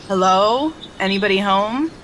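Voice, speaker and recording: A woman's voice: medium pitch, expressive, a little slow, background noise, natural voice. An actress playing an earnest, polite, curious young woman in an audio drama, speaking in a tentative, conversational way. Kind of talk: naturalistic audio drama dialogue. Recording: roomy echo under music.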